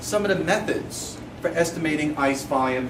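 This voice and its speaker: A man with a New York accent speaks at a fairly high pitch with ordinary pitch variation. Noticeable background noise and audible room echo surround him. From New York City. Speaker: geology professor. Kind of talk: lecture. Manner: casual, hesitant with fillers.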